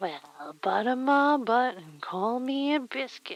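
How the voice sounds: In a put-on character voice, a female-sounding speaker uses a high pitch and a fairly slow pace.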